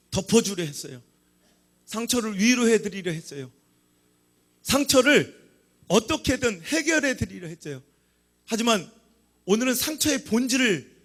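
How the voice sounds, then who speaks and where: Husky, high-voiced man preaching a sermon. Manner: dramatic, acts out complaints in voices, rises to shouts. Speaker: pastor.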